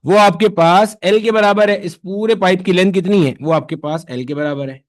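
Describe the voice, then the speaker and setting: A man's voice: high voice, normal speed. A man teaching a physics lecture, asking questions and answering them himself in a conversational way. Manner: conversational, answers his own questions in students' voices. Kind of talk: classroom lecture.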